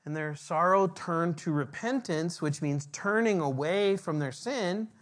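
Slow, deliberate male pastor. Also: on the high side. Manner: slow, deliberate teaching with rhetorical questions. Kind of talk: verse-by-verse sermon.

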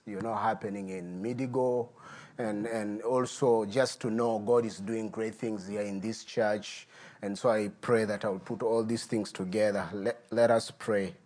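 A middle-aged man, a guest pastor giving a sermon and telling his testimony in an earnest, unhurried way. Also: lowish voice. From Uganda.

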